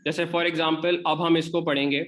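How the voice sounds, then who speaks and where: A man's voice: on the high side, little pitch movement, normal speed, a bit bright. A man with a Pakistani Urdu accent teaching an Arabic grammar class, explaining step by step and repeating example words. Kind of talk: online class lecture.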